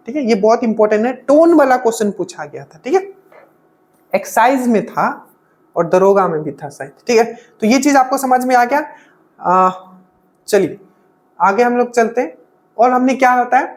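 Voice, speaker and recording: A woman teaches exam-prep science. She talks in a loose, conversational way. She circles back over each point and drops a quick "okay?" after nearly every phrase. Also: on the high side. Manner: explains with constant "okay?" check-ins and repetition. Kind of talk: casual spoken lecture.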